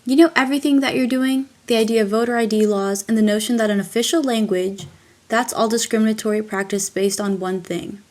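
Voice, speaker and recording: A woman's voice: a little high, steady tone, a little fast, a little mellow, slight background noise, close to an everyday voice. A woman performing scripted readers theater in an earnest, firm, explanatory manner as a fair-minded advocate. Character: fair-minded woman defending a voter's rights.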